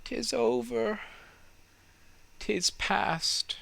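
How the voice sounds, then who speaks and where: A man's voice: very high voice, drawn-out words, creaky, fairly bright tone, voice pushed up, full character voice. A man voicing a naive, wistful young fir tree in a storybook, earnest and plaintive. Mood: mournful regret.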